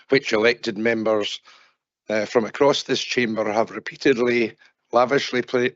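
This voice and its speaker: A man's voice: medium pitch, a bit bright, no echo, lo-fi sound. A male councillor who is losing his voice, giving a formal speech at a council meeting. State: losing his voice, throat-clearing. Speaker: elected councillor seconding a motion.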